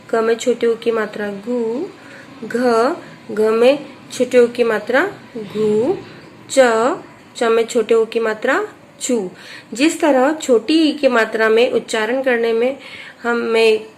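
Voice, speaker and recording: A woman teacher leads young children through a phonics lesson. She speaks very slowly, pausing after each letter and vowel sign, in a slightly high voice. Her manner is patient and methodical. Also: a little hiss or hum. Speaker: primary school teacher.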